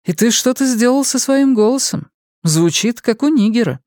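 A stern older mother with a prim, scolding voice, pitched up high, put on by a male narrator. She speaks crisply and sharply in an audiobook reading. The recording is close and dry. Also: expressive, moderate pace, darkish tone, no echo. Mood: disapproving. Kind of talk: audiobook character voice.

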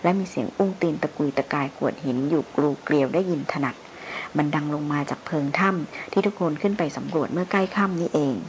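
A woman narrating a novel aloud in a steady, dramatic storytelling manner. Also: sits low, slight background noise, low-quality recording. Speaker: audiobook narrator.

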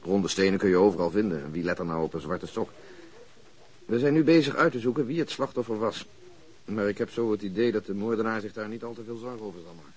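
A man's voice: lowish voice, fast, a little mellow, slightly rough, low-quality recording. An actor playing a dry, methodical male police investigator in a radio drama, reporting in a clipped, matter-of-fact way. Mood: dry, factual.

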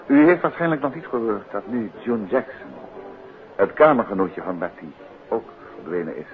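An actor in a 1950s radio drama playing a calm, courteous amateur detective who talks in a measured, affable way. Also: male voice, on the low side, narrow, tinny audio, soft background music, natural voice. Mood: grave, composed. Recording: old thin band-limited radio recording.

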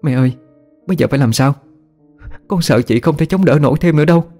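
A man's voice: a little high, fast, darkish tone, faint music behind, voice pushed up. A man voicing a frightened young woman who cries and pleads for her sister. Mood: tearful.

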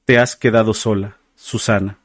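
A man's voice: on the low side, steady tone, moderate pace, no echo, studio quality, close to an everyday voice. A man voicing a devoted older female caretaker in an audiobook, speaking in a soothing, sorrowful way.

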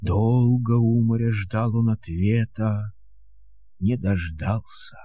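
A man narrating a verse fairy tale in a theatrical, measured storytelling manner. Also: lowish voice, fairly even intonation, over music.

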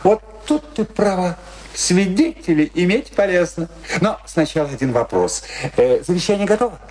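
An actor playing a vindictive, pompous older military husband in a radio play, with a deliberate, mock-official and theatrical delivery. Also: male voice, high voice, very animated, darkish tone. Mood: sly.

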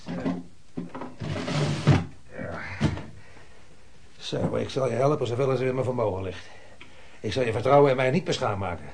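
A benevolent male shopkeeper played by a man in a radio play. He is busy and muttering yet kindly, with a mid-pitched voice and clear noise on the recording. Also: normal speed, pauses often, darkish tone, close to an everyday voice.

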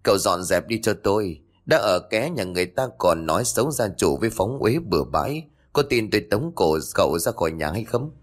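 A man doing a gruff, cunning old scold. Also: fairly low pitch, big pitch swings, fairly quick, hardly any pauses. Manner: scolding, blunt.

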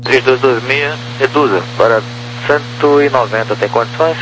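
A man's voice: medium pitch, moderate pace. Brazilian male air traffic controller on noisy radio. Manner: procedural, terse phraseology. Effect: over walkie-talkie style radio. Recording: noisy humming aviation radio transmission.

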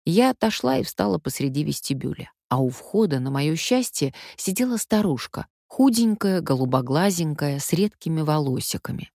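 An older actress recounts her own life with wry, lively humor, bringing her anecdotes to life as she tells them. Her voice sits low for a woman and sounds dry and close, with almost no room around it. She is from Siberia. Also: normal speed, gravelly, few pauses, no room sound. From Omsk, Siberia, Russia. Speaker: stage actress. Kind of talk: memoir storytelling.

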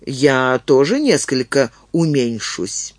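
A man's voice: mid-range voice, sing-song, slow, no room sound, voice pushed down. A man doing a stately ancient djinn. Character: ancient giant male djinn, calm, courteous.

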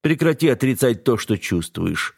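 A man's voice: medium pitch, very animated, moderate pace, vocal fry, darkish tone, husky, voice pushed up, exaggerated voice. A man voicing a cold, domineering heir to the throne who issues level, menacing warnings. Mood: commanding. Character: cold, domineering male heir, the narrator himself.

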